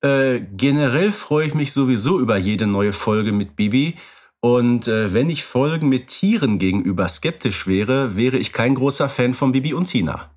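A man's voice: medium pitch, animated, moderate pace, a little mellow. A man co-hosting a podcast, talking conversationally with precise, slightly formal turns of phrase. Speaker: podcast co-host.

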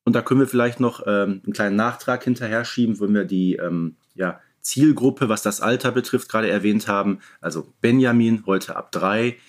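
A man's voice: fairly low pitch, moderate pace, hardly any pauses. A man co-hosting a casual fan podcast, playful and fond of quoting. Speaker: podcast co-host.

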